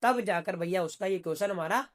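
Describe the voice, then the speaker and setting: Brisk and high-voiced, this man teaches reasoning in an exam-prep video lesson. He talks in a chatty way, calls his students "bhaiya", and raises questions that he answers himself.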